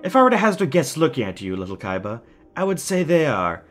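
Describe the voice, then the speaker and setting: A man's voice: fairly high pitch, very animated, fast, a bit bright, faint music behind. An actor playing a deranged, genteel villain in an audio drama, formal and mocking, savoring his words with menacing sweetness. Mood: silky menace.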